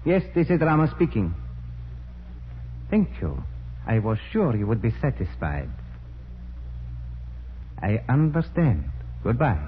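An actor playing a coolly self-assured Oriental mystic high priest in a radio crime drama, formal and pompous in the 1940s style. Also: male voice, sing-song, slow pace, long pauses. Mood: coolly pleased. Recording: muffled, noisy 1940s radio recording with hum.

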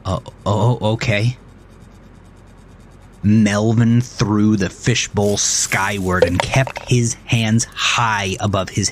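Slow, low-voiced man narrating a thriller. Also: slight background noise. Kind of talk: scripted story narration of a thriller.

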